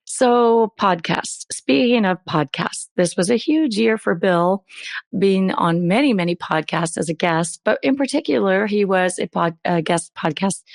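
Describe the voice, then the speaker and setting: A middle-aged woman hosting a podcast with a hoarse voice that is still recovering, chatting in an upbeat way. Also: on the low side, no room sound, studio quality. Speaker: podcast host. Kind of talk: podcast intro, casual chat.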